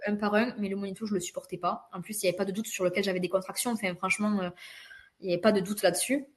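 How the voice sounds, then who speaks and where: A woman in her twenties, a podcast guest, telling a personal story in a vivid, expressive way with quick asides. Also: medium pitch. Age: 20s. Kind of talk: casual conversational storytelling.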